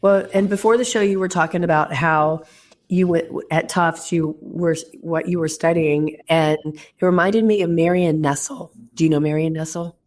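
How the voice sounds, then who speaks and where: A woman's voice: on the low side, fairly even intonation, normal speed. A woman hosting an interview show from a hotel room, chatty and enthusiastic, sounding stuffy like she has a head cold. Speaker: podcast host. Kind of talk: casual interview chat.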